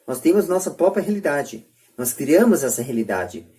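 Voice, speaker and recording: A man's voice: fairly high pitch, very animated, moderate pace, mellow. A man with a São Paulo Brazilian accent giving his opinions as a podcast host in an emphatic, repetitive, rhetorical manner. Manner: emphatic, rhetorical, repeats phrases. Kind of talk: podcast debate, opinion monologue.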